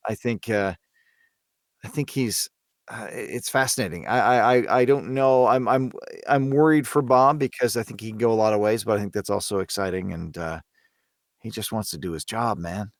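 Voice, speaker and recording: Halting, lower-voiced man, close dry sound. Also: no echo. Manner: halting, searching, repeats words as he thinks. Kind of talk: casual interview chat.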